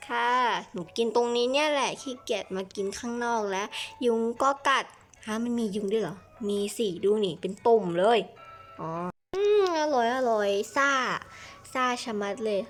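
Playful high-voiced woman doing a game role-play. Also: moderate pace, soft background music. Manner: chatty, switching between characters.

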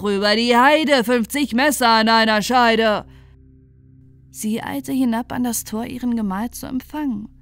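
A woman calmly narrating a fairy tale for falling asleep, in a gentle, soothing manner. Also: mid-range voice. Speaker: storyteller.

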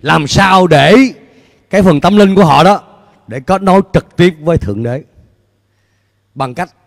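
A middle-aged man preaching a sermon as pastor on a church stage with a handheld mic, animated and putting questions to the congregation. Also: fairly high pitch, measured pace, gravelly. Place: church stage before a large screen, indoors. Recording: long hall reverb in a large church.

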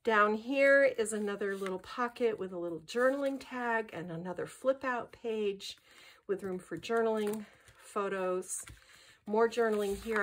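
A cheerful middle-aged woman casually chatting as she presents a craft kit at a table, upbeat and enthusiastic. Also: mid-range voice. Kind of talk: casual craft show-and-tell.

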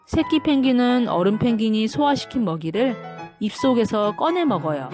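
A woman reading a children's picture book aloud in a gentle, clear manner. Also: on the high side, animated, moderate pace, over music. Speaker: storybook reader.

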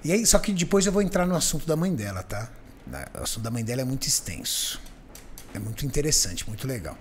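A man's voice: medium pitch, fast talker, a little hiss or hum. A man hosting a podcast, telling a story in casual chat and acting out the voices of the people in it. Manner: animated, acts out the voices in his stories. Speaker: podcast host.

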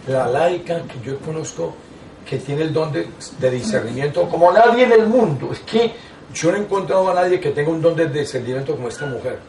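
An older man, a priest, teaching a lay audience in a small meeting room, telling stories with lively asides and restarts. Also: a little high, brisk, distant mic, a little hiss or hum. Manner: animated storytelling with frequent asides and restarts. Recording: echoey room, taken from afar.

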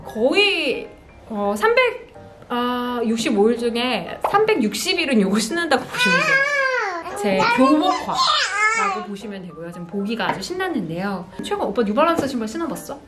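A vlogger and host in her thirties talks expressively to the camera in a casual show-and-tell of her personal items, adding cute exclamations. Her voice sits high with huge pitch swings and a moderate pace, over loud music. She is in a small, bright indoor room with a sofa.

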